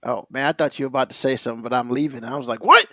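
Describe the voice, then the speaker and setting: A man's voice: mid-range voice, steady tone, rapid-fire, dry recording, clean studio sound. A man hosting a podcast in casual, conversational talk. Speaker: podcast host.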